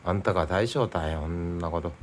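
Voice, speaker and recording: A middle-aged man with a Nagasaki accent talks in an easygoing, chatty way over food and drink at home. His voice sits fairly low, and a faint hum of room sound stays behind it. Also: brisk. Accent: Nagasaki dialect. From Nagasaki, Japan. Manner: easygoing, chatty, explains local words. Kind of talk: casual chat while eating and drinking.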